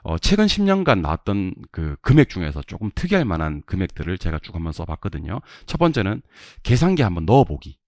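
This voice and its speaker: A man's voice: low-pitched, quick pace, hardly any pauses, dry recording, clean studio sound. A middle-aged man giving an online exam-prep lecture, drilling students by reading figures aloud and quizzing them again and again. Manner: animated, drills numbers with repeated questions to students. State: just woke up, a bit scattered. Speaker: real estate exam instructor.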